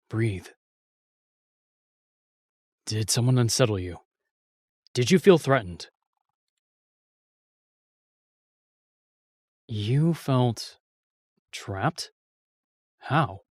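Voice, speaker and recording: Man acting a brusque, reluctant knight, slow and close. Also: medium pitch, darkish tone, slightly rough, no echo, heavily acted. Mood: concerned, soothing. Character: reluctant, brusque royal knight with a guarded kindness. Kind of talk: intimate fantasy audio roleplay acting.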